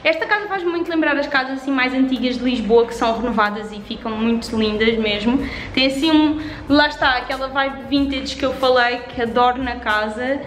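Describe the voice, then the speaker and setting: A young woman in her twenties with a European Portuguese accent, chatting upbeat through a house tour vlog, filmed on a handheld camera in an empty flat. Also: high-pitched, brisk, reverberant, a little hiss or hum, poor audio. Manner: chatty and upbeat, fond of diminutives. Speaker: vlogger. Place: empty renovated flat indoors. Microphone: handheld camera at arm's length.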